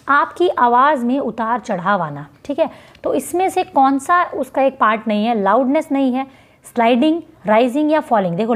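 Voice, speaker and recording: A young woman teacher with an Indian English accent, her voice a little high. She reads the questions out slowly and carefully, then hurries through the explanations in Hindi. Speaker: exam-prep teacher. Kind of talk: revision lesson reading out questions and explaining.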